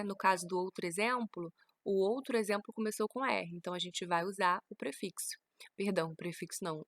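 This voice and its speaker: A Brazilian woman talks through a grammar lesson, reading from slides and stopping often to add a checking "né?". Her voice sits at a middle pitch. The recording is dry and close. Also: a bit bright, dry recording. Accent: Brazilian Portuguese. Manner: explains each rule with frequent "né?" tag questions. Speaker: teacher.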